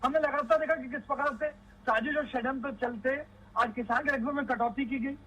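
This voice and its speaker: A man's voice: extremely high pitch, fairly even intonation, fairly quick, sharp tone, poor audio. A man speaking as an opposition spokesperson in a TV debate, pressing accusing questions in a combative way. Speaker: opposition party spokesperson on a TV panel. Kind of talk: political TV debate.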